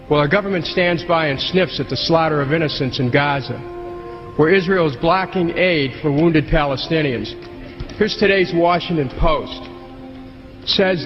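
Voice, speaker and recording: Brief: impassioned speaker, muffled hall recording. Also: male voice, on the high side. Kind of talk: speech reading a quote.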